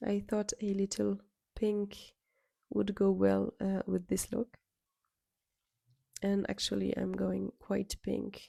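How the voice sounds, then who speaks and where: With a non-native accent, a woman speaks at a very slow pace with long, frequent pauses, and the sound is dry and close with no echo. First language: not English. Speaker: makeup content creator. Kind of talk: makeup tutorial voiceover. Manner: halting, many fillers.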